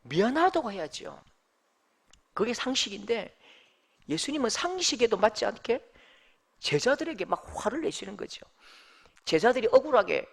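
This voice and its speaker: A man's voice: extremely high pitch, gravelly, fairly bright tone, husky. A male pastor preaching a sermon with humor and rhetorical questions.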